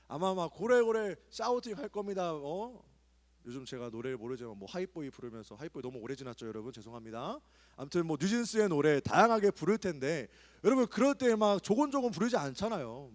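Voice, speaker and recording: A man in his thirties preaches to young people in a large church hall, his fairly high voice climbing and dropping with lively swings. He shifts between quiet asides and loud urgent calls to prayer. The room rings with long reverb. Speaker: pastor. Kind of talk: sermon at a youth retreat.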